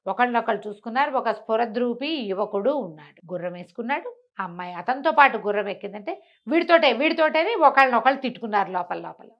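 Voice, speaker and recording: Fast and on the high side, a woman's Telugu-accented voice carries a folk tale told with animated, conversational flair. As storytellers often do, she asks questions and answers them. The recording has a lo-fi sound.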